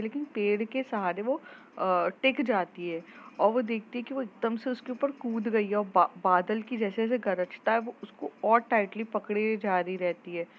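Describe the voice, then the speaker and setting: A woman tells a romance story casually and conversationally, often repeating herself and correcting her own words as she goes. Her voice is mid-pitched, the recording is slightly dull, and faint hiss sits in the background. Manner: rambling, with fillers, repeats and self-corrections.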